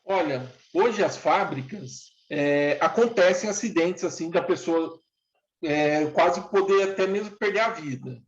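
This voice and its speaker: A man's voice: on the high side, a little slow. Man, 40s, interviewee; plain-spoken and earnest, dull lo-fi recording. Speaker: interviewee, former factory worker. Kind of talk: casual interview talk. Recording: echoey room, dull lo-fi sound.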